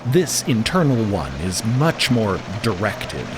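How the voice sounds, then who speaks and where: A man's voice: on the low side, big pitch swings, slow, background noise. A man narrating audio fiction in a wry, scripted storytelling style. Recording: music bed behind voice.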